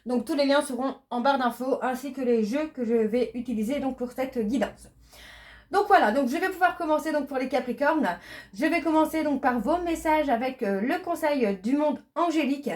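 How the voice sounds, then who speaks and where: A woman with a slightly high voice gives a casual card reading. She talks in a chatty, hesitant way, full of fillers and restarts. She slows down when she reads the card messages aloud. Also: a little mellow. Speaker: medium doing a tarot reading.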